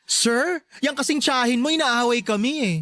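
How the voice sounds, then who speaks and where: A woman playing a sassy, sharp-tongued gay best friend in a Filipino radio drama, catty and taunting with a Filipino accent. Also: high-pitched, normal speed, no echo, studio quality. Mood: sassy, mocking.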